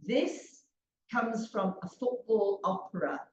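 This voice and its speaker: An older woman training teachers, leading a slow, emphatic interactive drama exercise over a video call. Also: mid-range voice, expressive, darkish tone, roomy sound, highs cut off. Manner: slow, emphatic, leads call-and-response chants. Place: home room on a video call.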